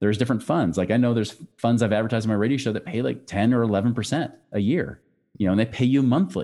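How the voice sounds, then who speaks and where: The voice has a dark, mellow tone and moves at a very fast pace in a very clean recording with a silent background. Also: man, medium pitch for a man, ordinary pitch variation. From US West, Oregon. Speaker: financial educator. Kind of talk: interview.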